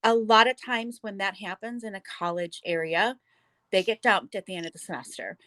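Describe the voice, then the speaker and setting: A woman with a Wisconsin accent who talks in a plainspoken, matter-of-fact way and slips in dry little jokes. Her voice sits at an ordinary middle pitch. It is recorded close and dry, with no room sound. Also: normal speed, bright, forceful tone, no room sound. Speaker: cat cafe owner. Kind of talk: casual interview answers.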